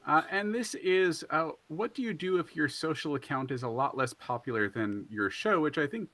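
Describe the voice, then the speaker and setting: A man's voice: fairly high pitch, lively intonation, moderate pace, pushed and bright, no echo. A man moderating a panel, putting questions in a polite, slightly hesitant conversational manner. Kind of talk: reading audience questions, conversational.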